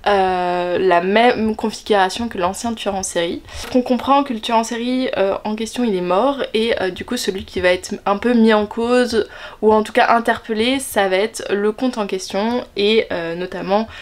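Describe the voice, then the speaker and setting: A woman's voice: medium pitch, normal speed. A young woman in her twenties chatting casually about books she bought, hesitant and full of fillers but enthusiastic, filmed seated at a desk in a room with a bookshelf behind her. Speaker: book vlogger. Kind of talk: casual book haul chat. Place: bedroom in front of a bookshelf, indoors.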